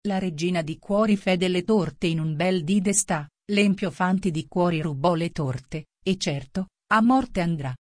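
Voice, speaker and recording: A woman's voice: lowish voice, normal speed, hardly any pauses, no echo, lightly acted. Brief: white rabbit court herald, woman reader, hasty announcements, dry sound. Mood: proclaiming.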